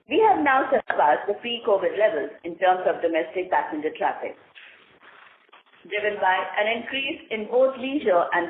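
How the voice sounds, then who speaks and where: A woman with an Indian accent formally reading a prepared corporate presentation as a company executive over a conference call. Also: medium pitch. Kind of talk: scripted earnings call presentation. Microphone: phone or conference line. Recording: phone-like conference line, roomy echo, faint noise.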